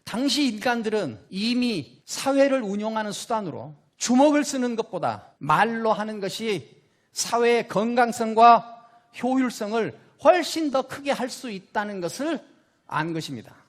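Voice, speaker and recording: A man's voice: sits high, very animated, normal speed. A man giving an impassioned, emphatic rallying political speech, building rhetorical questions into rousing appeals. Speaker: political speaker and scholar.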